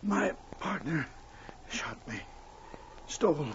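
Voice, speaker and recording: Old prospector, weak and gasping, bitter, stammering, high swooping voice, 1940s radio drama, faint noise. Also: male voice, lively intonation, takes it slowly. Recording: dull, noisy old radio recording.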